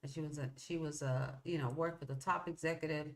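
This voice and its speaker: A woman's voice: low voice, fairly even intonation, fairly quick. Chatty middle-aged woman host, rambling. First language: Spanish. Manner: rambling, conversational, self-interrupting with "okay?" and "right?". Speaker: podcast host. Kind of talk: solo motivational talk.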